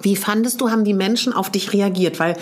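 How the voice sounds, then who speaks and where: A woman's voice: mid-range voice, fast talker. A woman interviewer asking long, empathetic leading questions in a conversational interview.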